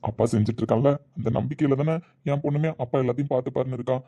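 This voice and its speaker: A man delivering earnest, tender dramatic dialogue. His voice is mellow and dark in tone, and he talks quickly. He sits at a middle pitch for a man. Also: fairly even intonation. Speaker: actor in a family drama.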